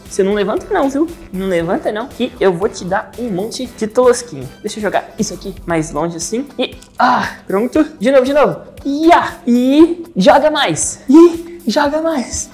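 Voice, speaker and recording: A playful woman from Brazil chats through a video game for her viewers, her voice sitting on the higher side. She is excitable and giggly and keeps calling out to her audience. Faint music plays behind her. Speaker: gaming YouTuber. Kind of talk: playful let's-play commentary.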